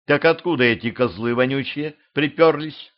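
A man's voice: medium pitch, normal speed, voice pushed up, close to an everyday voice. A man reading the lines of a tough, blunt young woman archer in an audiobook, in his own plain voice. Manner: blunt, demanding. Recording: slightly dull lo-fi audio.

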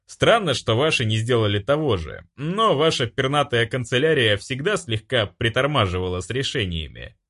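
A man's voice: mid-range voice, big pitch swings, normal speed, hardly any pauses, a bit bright, pitched above the performer's own voice. A man voicing a mischievous male demon who mocks and laughs at his companions. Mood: amused. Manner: mocking, laughing, raised voice.

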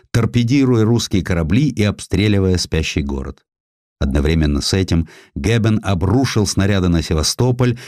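A man with a low voice reads history as an audiobook narrator. His delivery is theatrical and expressive, with wide swings of intonation. The recording is close and dry. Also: dry recording. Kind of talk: dramatic scripted narration of historical essay.

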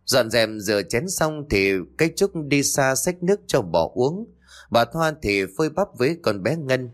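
A man narrating a ghost story in a steady, even reading voice. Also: medium pitch, normal speed.

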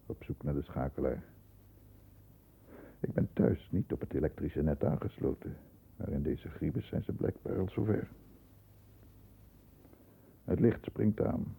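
Low, very dark-voiced composed lawyer. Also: male voice, vocal fry, husky, heavily acted, rough recording. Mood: tense, hushed narration. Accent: Netherlands Dutch. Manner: measured, deliberate, formal. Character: composed middle-class lawyer, protective older brother, narrating. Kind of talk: 1960s Dutch radio play, first-person narration and dialogue.

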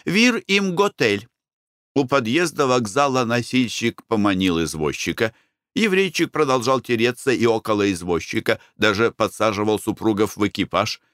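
A man reading a novel aloud as an audiobook narrator, measured and expressive. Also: fairly low pitch, clean tone, no echo, clean studio sound. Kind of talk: scripted narration.

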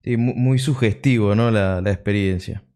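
A man hosting a spiritual interview channel who speaks in a measured, somewhat hesitant way. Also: lowish voice, warm tone. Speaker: host. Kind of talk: closing remarks in an interview.

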